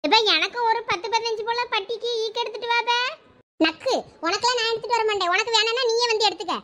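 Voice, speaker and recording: A woman's voice: very high-pitched, a little hiss or hum. A woman voicing a bossy village mother in a cartoon, scolding her daughters with a Thoothukudi Tamil accent. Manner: sharp scolding, rapid nagging. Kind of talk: cartoon voice acting.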